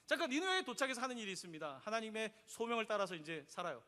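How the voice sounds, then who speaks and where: A man's voice: high voice, very animated, very fast, sharp tone. A man preaching a sermon as pastor, telling the story vividly and leading the congregation in reading. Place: church sanctuary. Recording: long reverb in a church hall.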